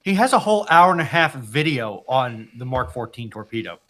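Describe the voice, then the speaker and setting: A man with a bright, forceful voice at a medium pitch joins an informal history panel. He argues his points by repeating and building on short phrases. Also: big pitch swings, fairly quick. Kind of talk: casual history discussion.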